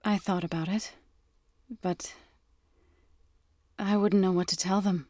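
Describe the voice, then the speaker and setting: A woman playing a gentle, resolute tribal warrior in a video game, speaking in a measured, solemn, softly sincere way. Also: mid-range voice, steady tone, no room sound, studio quality, close to an everyday voice. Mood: solemn, reflective. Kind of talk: scripted game character dialogue. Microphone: close studio microphone.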